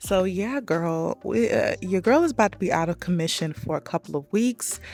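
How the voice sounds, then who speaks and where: Over music in the background, a woman with an American accent talks at a moderate pace in a fairly low pitch. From Alabama. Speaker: lifestyle vlogger. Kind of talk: casual vlog talk to camera. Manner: low, subdued.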